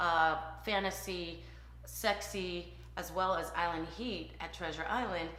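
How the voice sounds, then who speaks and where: There is audible room echo. A woman is speaking. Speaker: show host, performer. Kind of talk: interview. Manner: stutters, halting.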